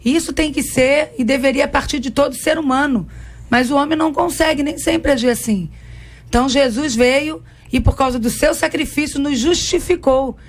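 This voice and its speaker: A woman pastor with a Brazilian Portuguese accent, hoarse and strained, speaking earnestly as a guest on a radio debate. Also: high voice, moderate pace. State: hoarse from a conference.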